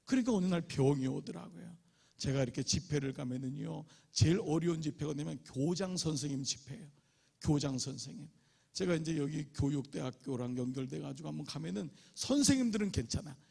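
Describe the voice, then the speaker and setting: A man's voice: on the high side, lively intonation, brisk, gravelly, mellow, slightly rough. A man preaching an emphatic revival sermon as a pastor in a church sanctuary, acting out quotes as he goes.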